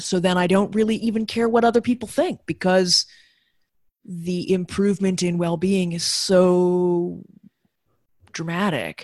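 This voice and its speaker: With long, frequent pauses, a woman with a Canadian accent speaks at a fairly slow pace in a medium pitch with ordinary pitch variation. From Canada. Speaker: sober coach. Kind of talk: podcast interview. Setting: call.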